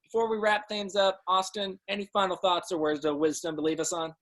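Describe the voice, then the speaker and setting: A man's voice: sits high, level tone, a little fast, fairly bright tone. Casting: young adult male host, casual but practised presenter delivery on a video-call interview. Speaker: show host. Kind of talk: casual interview hosting with rehearsed sign-off. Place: small room at home, video call.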